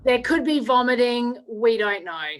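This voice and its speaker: A woman's voice: on the high side, expressive, unhurried, heavy background noise. A woman talking in a jokey, playful way over a video call. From Australia. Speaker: improv player. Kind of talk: casual introduction.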